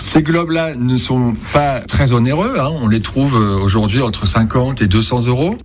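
A man's voice: medium pitch, moderate pace, slight background noise. A man who runs an antiques shop, explaining pieces with enthusiasm in a radio chat.

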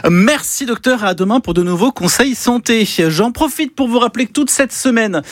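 A man's voice: high voice, dry recording, clean studio sound. Jokey man hosting morning radio. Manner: jokey, chatty. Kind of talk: casual radio chat.

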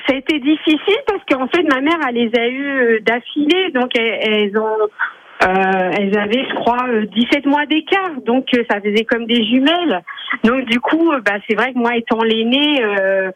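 A woman's voice: on the high side, normal speed, a little hiss or hum. A woman in her forties calling a radio show, telling her story with many hesitations over a phone line. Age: 40s. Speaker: caller. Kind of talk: personal testimony on radio.

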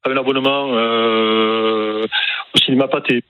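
A man's voice: mid-range voice, steady tone, unhurried, smooth, no echo, phone-quality sound. A retired man from southwest France with a southwestern French accent, calling in to a radio game and chatting hesitantly with many ums. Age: older. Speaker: caller. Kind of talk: phone-in chat.

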